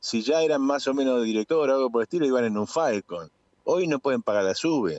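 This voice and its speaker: Spoken in a Rioplatense accent at a fairly quick pace, the voice has lively intonation and very even loudness. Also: man, medium pitch for a man. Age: 60s. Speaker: professor and political activist. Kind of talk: interview. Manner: hesitant with fillers and repetitions.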